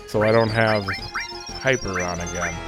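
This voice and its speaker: Here a thirtysomething man hosts a let's play, his lowish voice steady and his pace normal. He chats casually and rambles as he plays, reading lines of dialogue aloud while video game music runs underneath.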